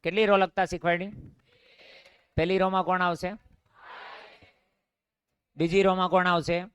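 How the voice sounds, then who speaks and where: A man's voice: high-pitched, flat delivery, normal speed, fairly bright tone, clean tone, no echo. A man with a Gujarati accent teaching physics, who asks a question and then answers it himself. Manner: drilling, repeats each question and answers it himself. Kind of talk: classroom lecture with call-and-response questions.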